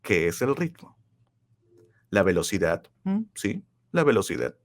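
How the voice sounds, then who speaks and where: A man's voice: big pitch swings, unhurried. A man giving a motivational public speaking lecture, emphatic and full of rhetorical questions, repeating key phrases for effect. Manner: emphatic, with wide swings of pitch and loudness; asks the audience rhetorical questions.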